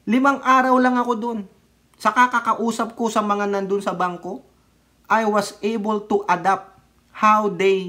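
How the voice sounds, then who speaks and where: A man's voice: high-pitched, a bit bright. A middle-aged man giving rambling casual commentary on his vlog, mixing languages and asking his viewers "right?". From Philippines. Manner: chatty, rambling, mixes Tagalog and English, asks viewers "di ba?". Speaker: political vlogger.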